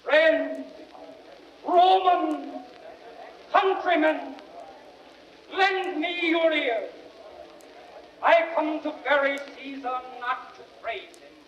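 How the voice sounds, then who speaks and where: An actor playing a grieving, slyly ironic Roman orator, delivering a measured, impassioned speech in classical Shakespearean radio-drama style. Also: male voice, very high voice, a bit bright, full character voice. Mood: rousing. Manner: declamatory, measured, rhetorical. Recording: dull vintage record sound.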